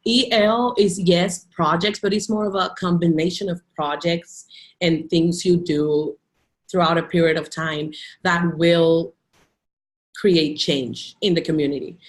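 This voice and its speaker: A young woman from the Dominican Republic talks about her teaching in a relaxed, chatty way. She fills her sentences with "like" and restarts often. Her voice sits a little low. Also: unhurried. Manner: chatty, many "like" fillers and restarts. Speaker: teacher, interview guest. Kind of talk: casual video interview.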